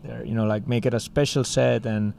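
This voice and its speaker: A man's voice: mid-range voice, fairly even intonation, fairly quick, vocal fry, darkish tone, slight background noise. A man from Spain with a Spanish accent, a music school co-founder chatting casually on a podcast and telling a story with lots of fillers. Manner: storytelling, many fillers like "you know" and "like".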